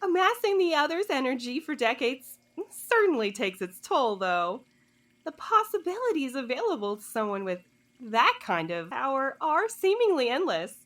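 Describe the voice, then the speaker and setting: Audio drama role: sly, condescending woman played by an actress, high-voiced and very animated, toying with her questioners. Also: moderate pace, full character voice. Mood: coy, condescending. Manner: teasing, condescending, theatrical drawl. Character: sly, smug woman informant, coolly taunting her interrogators.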